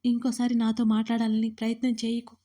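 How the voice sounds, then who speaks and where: A woman's voice: a little high, monotone, fairly quick, dark tone, lightly acted. A woman voicing a young woman who feels betrayed by her friend and speaks reproachfully through tears, in an audio story. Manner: tearful, reproachful.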